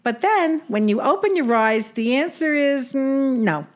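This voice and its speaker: Woman voicing a wry older sister, sarcastic, bright high voice, lively. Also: measured pace. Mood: wry teasing. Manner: sarcastic, teasing. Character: wisecracking older Brooklyn woman, teasing sister. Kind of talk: comic audio drama.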